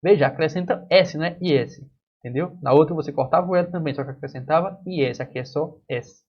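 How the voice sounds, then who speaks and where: A man's voice: fairly high pitch, quick pace, highs cut off. A man with a Brazilian accent teaching an online grammar lesson, explaining step by step and asking and answering his own questions. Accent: Brazilian Portuguese.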